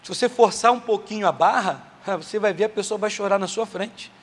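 In a big church hall full of lingering reverb, a man with a Brazilian Portuguese accent preaches with emphasis and repetition, staging small dialogues. As a pastor, he talks briskly in a high-pitched voice.

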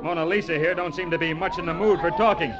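Tough American beat cop, played by a male actor, high-pitched, sarcastic, muffled old radio sound. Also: fast talker, natural voice. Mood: gruff, sarcastic. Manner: blunt, wisecracking, slangy. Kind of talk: 1940s radio drama acting. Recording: dull old radio recording.

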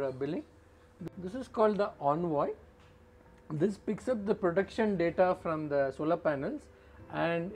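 A middle-aged solar engineer with a slightly high, somewhat mellow voice earnestly explains equipment to the camera, often repeating words for emphasis. He's outdoors in a rooftop garden, recorded on a lapel mic.

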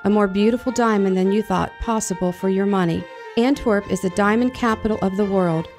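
A woman who runs a jewelry store, reading a scripted advertisement in a smooth, persuasive way. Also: mid-range voice, brisk. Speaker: jewelry store owner in a radio-style ad. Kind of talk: scripted ad read. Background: soft music.

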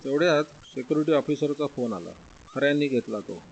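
A man narrating a novel as an audiobook in a steady, even reading voice. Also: mid-range voice, fairly quick, vocal fry, highs cut off. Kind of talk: scripted story narration.

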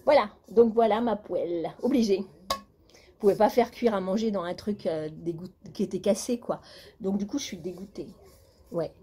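A woman's voice: mid-range voice, normal speed, mellow, slightly rough. A woman vlogger chatting casually at home, chatty and complaining. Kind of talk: casual chat.

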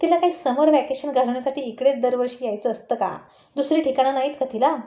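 A woman's voice: high-pitched, fast talker, dark tone, echoey room. Woman voicing playful young husband.

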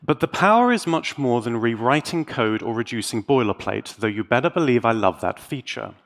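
Man presenting with lively, swooping intonation. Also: mid-range voice, normal speed. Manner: playful, enthusiastic, rhetorical asides. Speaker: conference speaker and tech YouTuber. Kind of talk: live technical presentation.

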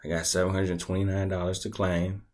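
A man casually talking through a screen-recorded tutorial at his computer, laid-back and thinking out loud as he goes. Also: sits low, little pitch movement, a little fast. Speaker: crypto tutorial creator.

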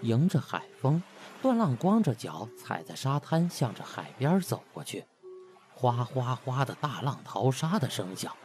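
A man's voice: mid-range voice, big pitch swings, unhurried, darkish tone. A man narrating a comic audiobook in a colloquial, theatrical storytelling manner. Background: music.

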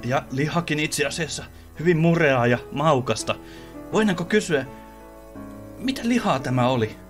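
A man's voice: fairly high pitch, lively intonation, lightly acted. A man playing a courteous, tentative, mildly puzzled restaurant diner in an amateur cartoon comedy dub. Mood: appreciative. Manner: polite, tentative. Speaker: amateur fan dub voice actor. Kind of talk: comedy sketch fan dub in cartoon animation. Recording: music clearly behind the voice.

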